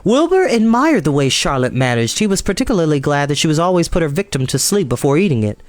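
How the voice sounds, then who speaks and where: Children's book reader and host, expressive intonation, explanatory, dry recording. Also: medium pitch, quick pace, no echo. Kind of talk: reading a children's book aloud, explaining to kids.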